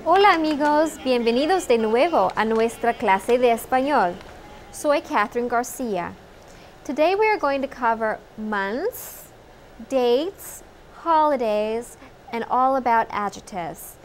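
Slow, clearly spoken woman teaching. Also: a little high, animated, slight background noise. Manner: slow, clearly enunciated drilling with pauses for repetition. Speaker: Spanish teacher. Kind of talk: bilingual language lesson.

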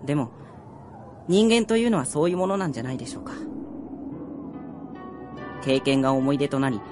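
An actor playing a gentle young fallen soldier in a radio drama, speaking politely and earnestly. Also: male voice, medium pitch, expressive, fairly quick, close to an everyday voice. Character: gentle, earnest dead young male soldier, now a spirit. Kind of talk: Japanese radio drama acting. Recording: music behind the voice.

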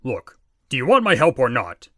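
A man's voice: mid-range voice, wildly swooping pitch, moderate pace, pushed and bright, no room sound, studio quality, exaggerated voice. A man playing a stern, impatient ghost in a fan audio drama, with formal, commanding speech. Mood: exasperated. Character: stern, impatient male ghost of Christmas past. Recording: music behind the voice.

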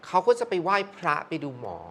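A woman's voice: fairly quick, fairly bright tone. A middle-aged woman telling a haunted film-set story in casual conversation, acting out quoted voices expressively. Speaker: film producer or director.

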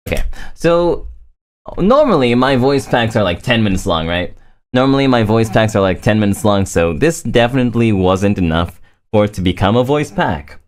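A man's voice: lowish voice, sing-song, moderate pace. A man chatting casually as a streamer and voice actor, hesitant and often repeating himself. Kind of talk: casual livestream chat.

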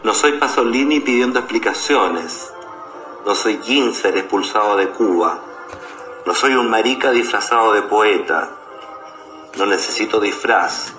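A Chilean man acting a defiant, proud ageing gay poet, declaiming deliberately in a radio play monologue. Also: sits low, a bit bright. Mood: defiant, bitter. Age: older. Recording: roomy echo with music behind.

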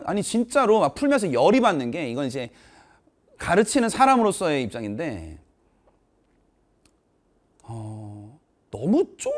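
A man teaching test prep, ranting with exasperation about an exam and speaking straight to his students, moving between polite and casual speech. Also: sits high. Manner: animated, exasperated ranting, addressing students directly. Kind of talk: informal exam commentary to students.

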